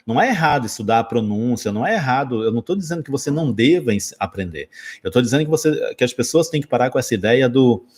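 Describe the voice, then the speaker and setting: A man's voice: mid-range voice, slightly rough. A Brazilian man, an English teacher, talking through a casual spoken lesson with a Brazilian Portuguese accent, joking and correcting himself as he goes. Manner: lively, joking, quick asides and self-corrections.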